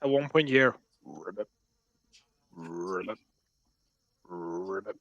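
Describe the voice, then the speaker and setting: A man voicing a swamp frog with deep croaks in a tabletop game. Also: huge pitch swings, quick pace, sharp tone, no echo, lo-fi sound, exaggerated voice. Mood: croaking. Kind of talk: tabletop game sound acting.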